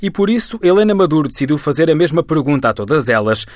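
A man with a European Portuguese accent reading a news report voice-over in a measured, even manner. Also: fairly high pitch, no room sound, studio quality. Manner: measured, even storytelling delivery.

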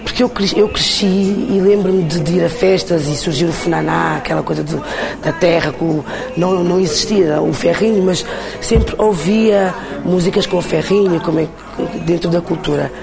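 A woman from Portugal with a European Portuguese accent and a deep, thick voice, telling her story casually as an interviewed singer. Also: moderate pace, gravelly. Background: music.

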